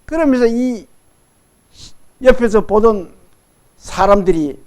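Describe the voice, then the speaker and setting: A man's voice: high-pitched, takes it slowly, darkish tone, clean tone. A middle-aged man preaching a sermon as pastor, leading his congregation through Bible readings.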